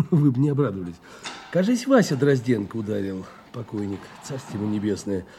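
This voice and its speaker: A man's voice: fairly low pitch, expressive, brisk, mellow, slight background noise. An actor playing an evasive, uneducated working-class man in an audio drama, cocky and folksy, with colloquial chuckling speech. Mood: uneasy, shifty. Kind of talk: Russian audio drama acting.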